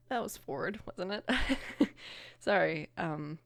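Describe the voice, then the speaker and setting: A woman voicing a young mafia boss's daughter, gentle, protective and flustered, in a soft, hesitant near-whisper for an ASMR romance roleplay. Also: on the low side, drawn-out words, vocal fry, no echo, pitched below the performer's own voice, exaggerated voice. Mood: flustered, tender.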